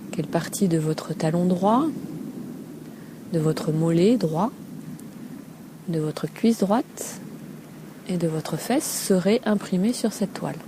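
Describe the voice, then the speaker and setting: Outdoors by a calm sea, a fairly low-pitched woman, a Feldenkrais teacher, guides a body scan without a script. Her short phrases come gently and slowly, separated by hesitant pauses, over steady seaside noise and some gulls.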